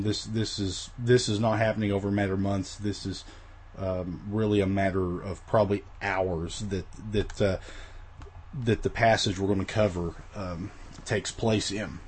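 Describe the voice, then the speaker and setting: A man with a lowish, husky voice teaching a recorded Bible lesson. He talks in a casual, rambling way, full of fillers and restarts. His voice sounds weak, as if he is getting over the flu. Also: fairly even intonation, moderate pace, a little mellow.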